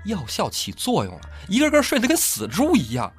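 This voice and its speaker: An actor in a radio drama playing a vengeful, gloating miner turned killer, with a maniacal manner. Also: male voice, high-pitched, wildly swooping pitch, a little fast, breathy edge, heavily acted. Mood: gloating, sinister. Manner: gloating, breaking into maniacal laughter and sobbing. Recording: music behind the voice.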